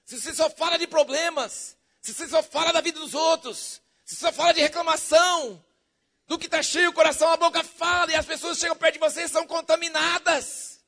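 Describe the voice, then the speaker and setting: A Brazilian-accented man preaching to his congregation in a very high, bright, forceful voice. He is fervent and playful, asks the crowd questions, and swings from shouted bursts to hushed low lines. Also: steady tone, fairly quick, gravelly. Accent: Brazilian Portuguese. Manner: jokey, drawing the congregation in with questions. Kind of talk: sermon.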